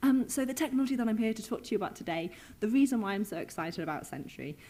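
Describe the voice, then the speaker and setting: With a British accent, a woman talks at a very fast pace in a dark, mellow tone. Her pitch swings very widely. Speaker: microbiologist and conference speaker. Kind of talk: conference talk. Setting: stage with audience.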